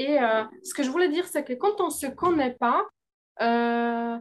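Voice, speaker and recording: A high-pitched woman's voice with a non-native accent and ordinary pitch variation, music in the background. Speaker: entrepreneur and trainer. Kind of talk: interview. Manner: hesitant.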